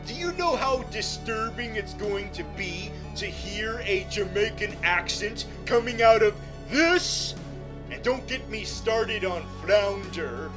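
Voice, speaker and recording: A high-voiced, twitchy small-time supervillain, put on by a man, stumbles and stammers through his questions, repeating words as he rambles. He talks slowly over steady background music. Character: nervous lesser-known male supervillain interviewer. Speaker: interviewer.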